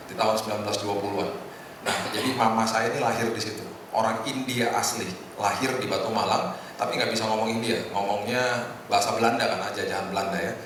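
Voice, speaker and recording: A middle-aged man preaching informally to a congregation in a conversational, joking way, with hesitant pauses. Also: lowish voice. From Indonesia. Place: large echoing indoor hotel hall. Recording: echoey hall, distant mic, noisy room.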